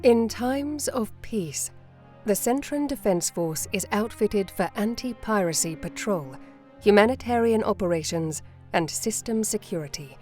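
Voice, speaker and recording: A woman reading scripted documentary-style narration in a formal, measured manner. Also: medium pitch, animated, darkish tone. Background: music.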